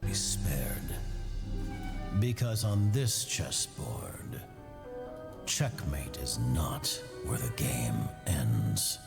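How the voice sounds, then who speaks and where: An actor playing a grave, menacing mastermind in an animated game trailer, gravelly and ominously deliberate. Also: male voice, a bass voice, exaggerated voice. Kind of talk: dramatic scripted animation trailer. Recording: loud music over the voice.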